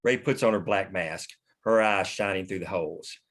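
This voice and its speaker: A man's voice: sits low, normal speed, fairly bright tone. A man narrating stage directions from a screenplay in a scripted table-read style.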